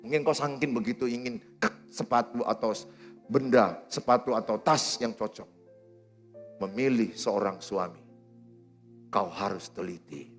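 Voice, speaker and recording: A middle-aged man preaching a sermon, swinging between loud exhortations and quiet, low asides. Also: a little slow, soft background music. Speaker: pastor. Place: church hall with congregation.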